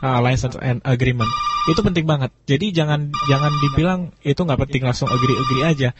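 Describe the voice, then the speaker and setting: A man's voice: medium pitch, brisk. A man hosting a casual talk radio show, answering listeners and repeating phrases for emphasis, on a lo-fi streaming broadcast. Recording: dull, lo-fi streaming radio with loud noise.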